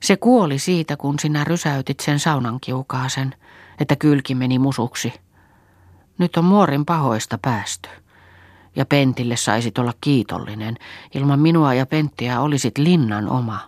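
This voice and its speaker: An anxious farmwife , voiced by a woman reader, coaxes and soothes in a hushed, half-whispered voice. The reading is close and dry, with no room sound. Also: very deep voice, dry recording. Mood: coaxing worry. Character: anxious farmhouse woman, coaxing and fussing.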